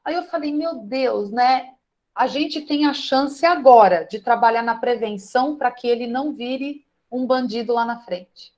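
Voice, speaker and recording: A woman's voice: a little high, a little slow, darkish tone. A middle-aged woman teaching an online class, telling a counseling case and acting out both sides of the conversation.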